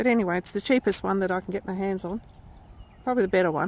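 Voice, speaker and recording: Medium-pitched female speech with an Australian accent and ordinary pitch variation. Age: old. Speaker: home gardener. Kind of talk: casual garden tour talk to camera. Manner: quiet.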